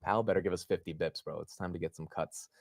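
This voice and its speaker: A man's voice: low voice, steady tone, fast, vocal fry, no echo, clean studio sound. Upbeat young man hosting a live stream. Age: 20s. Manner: upbeat and slangy, greets viewers. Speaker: livestream host. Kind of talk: casual live market chat.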